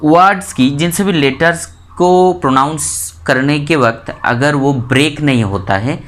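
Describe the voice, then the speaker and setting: A woman from India teaching English grammar in Hindi, saying each example word slowly and more than once to stress it. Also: sits low. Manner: repeats example words slowly and stresses them. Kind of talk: explanatory lesson in Hindi.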